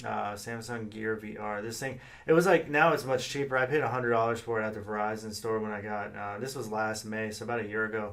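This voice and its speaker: There is audible room echo as a man talks at a very fast pace with hardly any pauses, using a fairly low pitch and fairly even intonation. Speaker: coding youtuber. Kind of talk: casual tech demo talk. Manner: hesitant, many fillers.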